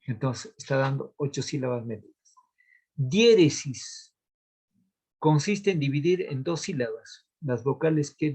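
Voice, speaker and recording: A man's voice: mid-range voice, a little mellow, slightly rough. A male literature teacher giving a recorded lesson on verse meter, counting syllables aloud one by one and checking in with rhetorical questions. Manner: asks rhetorical checks like "¿Bien?".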